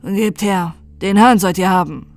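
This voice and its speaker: A woman's voice: on the low side, little pitch movement, unhurried, natural voice. A woman voicing a greedy young farmer who speaks curtly and surly. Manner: curt and surly.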